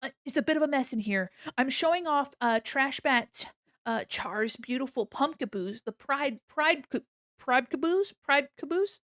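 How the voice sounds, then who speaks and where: Bubbly, high-voiced cute anime-streamer woman. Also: moderate pace, a bit bright, no echo, studio quality. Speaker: livestream host, illustrator and animator. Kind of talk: casual livestream chat with viewers.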